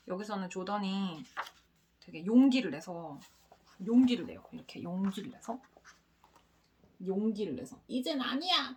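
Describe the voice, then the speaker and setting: A young woman giving a casual book review, blunt and quick to laugh, now and then swearing. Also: mid-range voice, a little hiss or hum.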